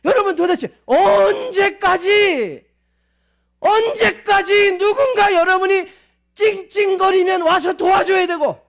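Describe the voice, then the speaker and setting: A male pastor preaching a sermon at a church service, animated and asking the congregation many questions. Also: extremely high pitch, slow.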